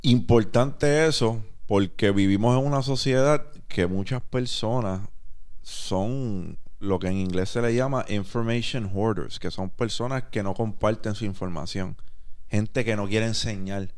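A man hosts a casual interview. His voice sits a little low, and he asks conversational, probing questions. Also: a little slow, darkish tone. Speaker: interview host.

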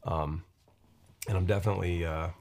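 Very deep-voiced man rambling on a podcast. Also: fairly even intonation, a little mellow. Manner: rambling, halting, many restarts and fillers. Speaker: podcast host and musician. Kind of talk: casual solo podcast monologue. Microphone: podcast microphone.

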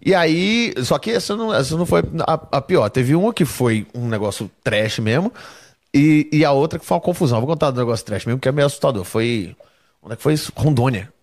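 A man's voice: medium pitch, a little fast. A young man, a comedian guest on a podcast, telling anecdotes casually with lots of swearing. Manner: animated anecdotes, heavy swearing.

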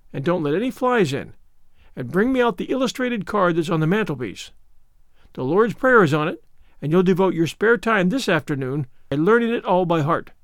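Man voicing a stern, brisk older spinster woman. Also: sits high, no room sound, clean studio sound. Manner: brisk, disapproving, matter-of-fact. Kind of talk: audiobook character voice.

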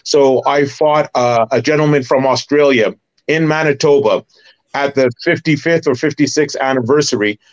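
A middle-aged man from Barbados, a former wrestler and promoter, recalling his career in an animated, detailed way as a podcast guest. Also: medium pitch, normal speed, highs cut off. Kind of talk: casual interview storytelling.

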